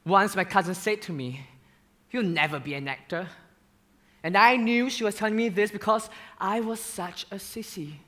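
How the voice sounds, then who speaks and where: A young man acting a stage monologue as a gay male dancer who haltingly confesses his painful past in a theater. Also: sits high, a bit bright. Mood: confessional. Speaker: student actor in a stage musical.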